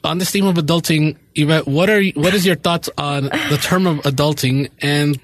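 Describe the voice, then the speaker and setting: A man's voice: a little high, normal speed, no echo. A man co-hosting a podcast, chatting casually and often restarting his questions mid-sentence. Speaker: podcast co-host. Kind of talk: casual chat.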